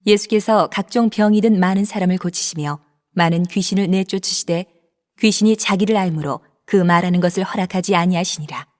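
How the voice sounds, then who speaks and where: A woman narrating a dramatized scripture reading in a measured, even manner. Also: on the low side. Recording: long reverb.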